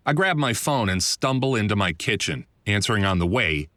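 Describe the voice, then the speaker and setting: A man narrates a first-person audiobook in a fairly low voice, recorded close and dry. His delivery is very lively in pitch, with a conversational, self-deprecating wit. It sounds like a polished scripted read that still talks directly to the listener. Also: dry recording. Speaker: audiobook narrator, author reading own book.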